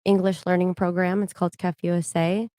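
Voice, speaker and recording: A woman in her twenties, born in Israel and raised in Miami, chatting breezily as a podcast panel guest and quick to correct and joke. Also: lowish voice, flat delivery, mellow, no echo. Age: 20s. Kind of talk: casual panel talk.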